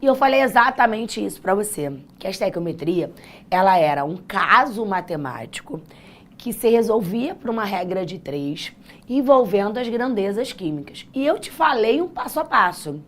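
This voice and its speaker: A Brazilian woman teaches a live online class in a husky voice that sounds worn and hoarse. She is informal and chatty, speaking straight to her students and encouraging them as she goes. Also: medium pitch, very animated, normal speed. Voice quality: naturally husky, raspy. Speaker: chemistry teacher hosting a live exam-prep class. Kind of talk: live online lesson, informal pep talk.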